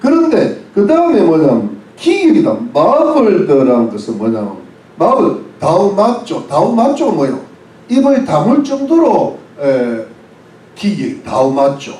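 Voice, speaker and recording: Animated Korean pastor preaching in echoey church. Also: male voice, high voice, unhurried, recorded from a distance. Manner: explains word by word, mixing English phrases; asks the congregation questions. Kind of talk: sermon.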